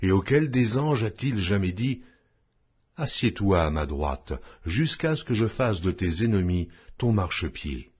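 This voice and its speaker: A man's voice: lowish voice, sing-song, a little slow, husky. A man reading the Bible aloud as an audiobook narrator, in a solemn, declamatory manner. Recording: dull lo-fi audio.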